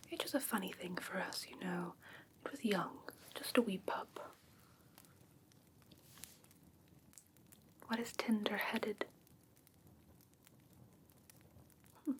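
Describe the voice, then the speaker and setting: A woman playing a whimsical, politely haughty fae creature in an ASMR fantasy roleplay, whispering in a slow, breathy, soothing way close to the mic. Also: medium pitch, slight background noise, close to an everyday voice. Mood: gently curious, then puzzled, soothing. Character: whimsical female fae creature gently inspecting a human pet. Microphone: close ASMR microphone.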